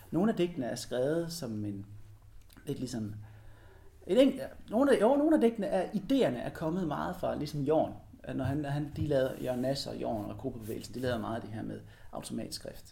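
A man's voice, fairly quick in pace, rings with audible room echo. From Denmark. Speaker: musician and poet. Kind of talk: interview. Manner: halting, many repetitions and fillers.

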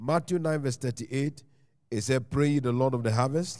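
With a plain, everyday voice, a man talks at medium pitch and with ordinary pitch variation. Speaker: pastor. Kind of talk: sermon. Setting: church. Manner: repetitive, urgent exhortation.

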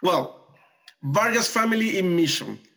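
In a Spanish accent, a man delivers his words at a fairly slow pace. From Chile. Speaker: missionary. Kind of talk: presentation.

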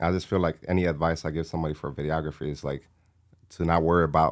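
In a very clean recording with a silent background, a man with a very deep, low voice and a slight Mexican accent talks at a very fast pace in a flat, monotone delivery. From Milwaukee South Side, partly raised in Mexico. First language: Spanish. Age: 20s. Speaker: videographer. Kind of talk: casual interview.

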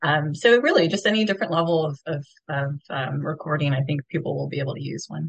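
This woman has a very deep, low voice with ordinary pitch variation. She speaks very fast. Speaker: fanfic writer and fan.

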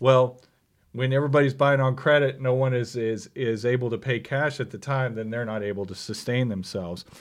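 At a fairly quick pace, a man speaks in an unremarkable speaking voice at a medium pitch with fairly even intonation. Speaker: podcast host, historical society director. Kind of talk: casual chat.

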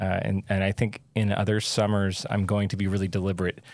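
The recording is very clean with a silent background. A man speaks at a moderate pace in a fairly low pitch. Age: 40s. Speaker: university professor and podcast co-host. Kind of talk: casual chat. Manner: halting, frequent self-repetition.

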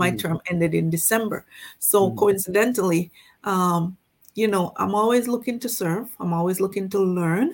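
A woman with a Jamaican Canadian accent talks at a fairly quick pace, at a medium pitch with ordinary pitch variation. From Jamaica (Manchester). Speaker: diaspora council representative. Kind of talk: casual interview.

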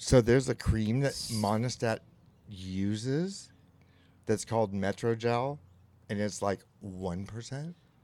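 A man with a dark, mellow tone and medium pitch speaks at a very slow pace. He leaves long, frequent pauses, and the recording is very clean with a silent background. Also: ordinary pitch variation. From Pittsburgh, Pennsylvania. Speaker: DJ. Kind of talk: casual chat.

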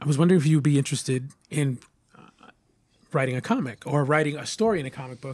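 In a very clean recording with a silent background, a man with an American accent speaks very fast in a fairly high, somewhat breathy voice with ordinary pitch variation. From New York, Bronx. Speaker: writer and podcaster. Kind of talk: interview conversation. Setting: in-person recording.

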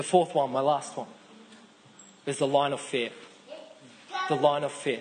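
A man with a strong Australian accent at a fairly high pitch, flat and monotone, with long, frequent pauses over noticeable background noise. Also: moderate pace. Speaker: youth pastor. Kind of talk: sermon. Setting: church.

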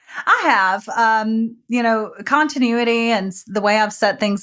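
Speaking at a moderate pace, a woman with an Alabama accent has a fairly high pitch. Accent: Southern US (Alabama). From US South (rural Northeast Alabama). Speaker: science education professor. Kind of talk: interview conversation.

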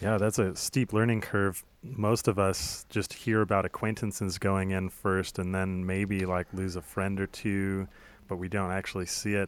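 Delivered at a moderate pace with hardly any pauses, the monotone, flat intonation sits on a very clean recording with a silent background. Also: man, fairly low pitch for a man. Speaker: podcast co-host. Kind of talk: interview.

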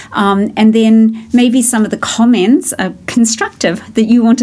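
The speaker has a New Zealand accent and talks at a moderate pace. Noticeable background noise runs underneath. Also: woman. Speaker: company founder and CEO, organizational psychologist. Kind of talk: interview. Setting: in person in Stockholm.

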